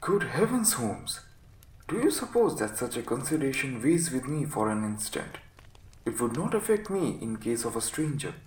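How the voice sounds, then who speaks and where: A man's voice: medium pitch, big pitch swings, moderate pace, darkish tone, reverberant, distant mic, close to an everyday voice, rough recording. A man voicing an earnest, loyal doctor with emphatic, urgent exclamations in a story reading. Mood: indignant. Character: earnest, loyal male doctor, indignant and caring.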